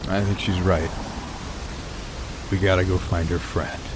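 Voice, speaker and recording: An actor playing a steady radio-station man who talks calmly and tersely and takes charge. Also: deep voice, unhurried. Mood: tense. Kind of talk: radio drama acting. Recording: noisy radio-play track with effects.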